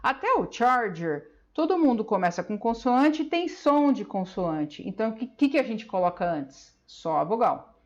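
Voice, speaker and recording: A woman's voice: a little high, sing-song, a little mellow, muffled recording. A woman with a Brazilian Portuguese accent giving a patient private English lesson, checking in often with "ok?". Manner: patient, explains slowly with lots of "ok?" checks. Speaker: English teacher.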